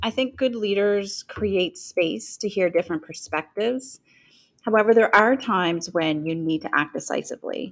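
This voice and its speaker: Lively intonation marks this woman's normal speaking voice. She talks at a moderate pace. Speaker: crisis communications panelist. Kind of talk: panel discussion.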